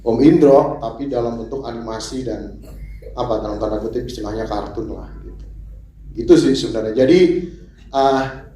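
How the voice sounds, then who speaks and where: Deliberate man answering at a press conference. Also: medium pitch, fairly even intonation, dark tone, slight background noise. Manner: deliberate, hesitant with fillers. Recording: echoey hall, faint ambience.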